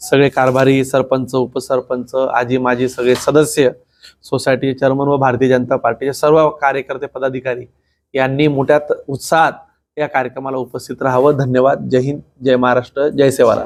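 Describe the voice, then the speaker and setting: A man talks at a medium pitch. His intonation is flat and monotone. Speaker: politician, state legislator. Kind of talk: public appeal to community.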